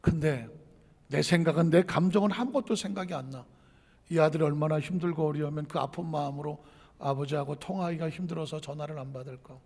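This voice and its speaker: A man preaching in a high, gravelly voice, carried by a long reverb as if in a church hall. He talks to his congregation conversationally, tosses out rhetorical questions and repeats key phrases for emphasis. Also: fairly quick, darkish tone. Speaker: pastor. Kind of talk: sermon.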